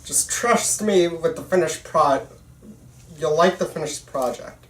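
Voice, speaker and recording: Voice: mid-range voice, measured pace, a bit bright. Amateur actor at a table read, chatty, bit stammery, roomy echo. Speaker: amateur actor reading the lead part. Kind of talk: table read of a film script. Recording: roomy, echoey room.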